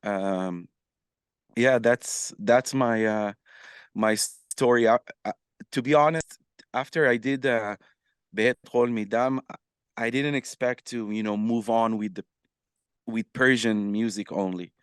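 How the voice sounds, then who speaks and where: Smooth-voiced man. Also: mid-range voice, slow, no room sound, clean studio sound. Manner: animated, many fillers and restarts, acts out quoted messages. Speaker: podcast guest, musician and influencer. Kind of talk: casual interview storytelling.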